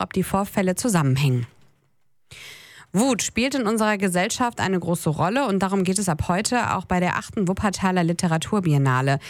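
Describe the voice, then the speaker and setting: A woman anchoring a local radio newscast, reading items in an even, measured way. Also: on the low side, no echo. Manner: even, measured news delivery. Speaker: news anchor. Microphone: studio mic.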